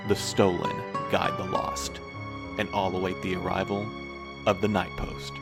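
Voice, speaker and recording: A man playing a solemn, mysterious narrator, reading a scripted podcast intro in a gravelly voice. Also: low voice, little pitch movement, unhurried. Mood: solemn, ominous. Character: solemn, mysterious male narrator of a strange town. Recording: loud music under the voice.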